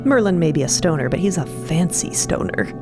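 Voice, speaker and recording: Female co-narrator, lower register, scripted storytelling with conversational asides, clear music bed. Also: animated, a little fast.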